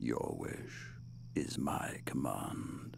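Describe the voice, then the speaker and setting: Loud background noise fills the clip. A man performs a put-on character voice. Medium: video game. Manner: solemn, grand.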